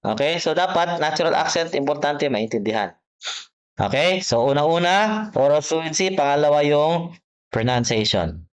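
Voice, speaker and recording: A man's voice: fairly high pitch, animated, normal speed, smooth. A man giving a private online exam-prep lesson, explaining patiently, repeating each point and checking in with his student. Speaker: test prep tutor. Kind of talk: private online tutoring session.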